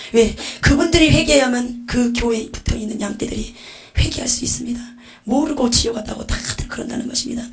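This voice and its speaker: A woman's voice: on the high side, creaky. A woman giving a religious testimony, telling visions in a breathless, vivid way with whispered asides. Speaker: testimony speaker.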